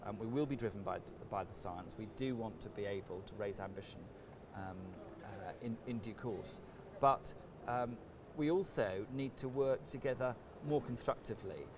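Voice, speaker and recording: With ordinary pitch variation and a moderate pace, a man talks in a somewhat breathy voice at a medium pitch. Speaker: government minister. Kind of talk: interview answer. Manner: hesitant, filler-heavy.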